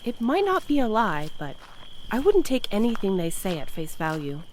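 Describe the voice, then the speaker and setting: Female courier played by a woman: shrewd, probing, steady, animated delivery, faint night ambience, audio drama. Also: mid-range voice, normal speed, slight background noise, poor audio. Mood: wary. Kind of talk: scripted audio drama acting. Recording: faint cricket ambience behind voice. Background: crickets and night sounds.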